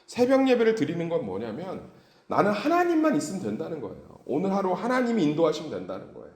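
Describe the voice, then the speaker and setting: A man's voice: on the high side, wildly swooping pitch, quick pace, darkish tone. A male pastor delivering a dawn service sermon, full of rhetorical questions and acted-out stories, in an echoey church room. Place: church sanctuary.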